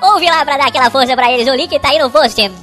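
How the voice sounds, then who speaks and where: Alvin, squeaky chipmunk. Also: male voice, faint music behind. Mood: cheeky. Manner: rattling off listener shout-outs with jokey asides. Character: squeaky little male chipmunk doing impressions. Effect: sped-up chipmunk voice, like fast-forwarded tape. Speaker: podcast host.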